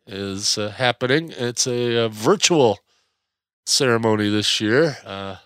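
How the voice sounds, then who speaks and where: A man's voice: mid-range voice, a little slow, fairly bright tone, clean tone, no room sound, studio quality. Congested American man, rambling casual podcaster. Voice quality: slightly nasal. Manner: rambling, hesitant, folksy. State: mildly congested. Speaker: podcast host. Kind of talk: casual solo podcast chat.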